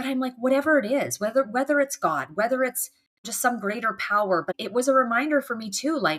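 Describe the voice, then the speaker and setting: A woman's high-pitched voice with lively intonation and a fairly quick pace. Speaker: network marketer sharing a health recovery story. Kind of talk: podcast interview. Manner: fast.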